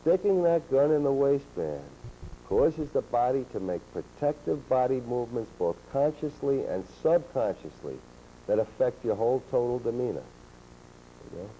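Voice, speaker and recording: A man calmly explaining police techniques on a training video, in a steady, matter-of-fact way, heard from an old VHS tape. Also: mid-range voice, normal speed. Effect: old VHS tape sound. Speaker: law enforcement instructor. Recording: dull worn VHS tape with faint hiss.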